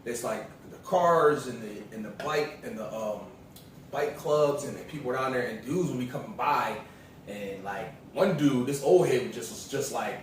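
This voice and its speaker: A man chats casually beside his partner and tells stories in a loose, rambling way with plenty of fillers. His voice sits at an ordinary middle pitch. He is some way from the mic in a very echoey room with faint noise behind him. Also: normal speed, recorded from a distance. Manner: relaxed, rambling, many fillers. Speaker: vlogger's partner. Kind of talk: casual storytelling chat.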